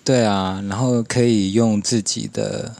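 A man's voice: fairly low pitch, steady tone, measured pace, gravelly, a little mellow, dry recording. A man with a Taiwanese Mandarin accent chatting casually. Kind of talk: casual chat.

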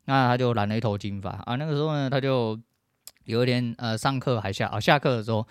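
A man's voice: mid-range voice, quick pace, smooth, dry recording, clean studio sound. A middle-aged man with a Taiwanese Mandarin accent, hosting a podcast in a blunt, profane, emphatic casual rant. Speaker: podcast host.

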